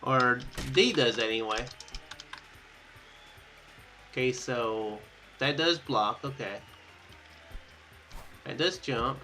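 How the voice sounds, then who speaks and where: A man giving casual let's-play commentary, rambling and thinking out loud as he plays. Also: medium pitch, lively intonation, takes it slowly, long pauses, faint music behind. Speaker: gaming video host. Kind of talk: casual let's-play commentary, reading game text aloud.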